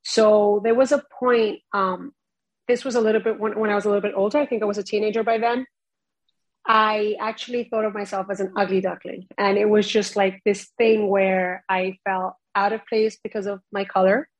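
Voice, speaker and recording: Guest: woman raised in Spain, mid pitch, measured and matter-of-fact, dry close recording. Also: steady tone, dry recording, poor audio. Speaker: podcast guest. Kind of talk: casual chat.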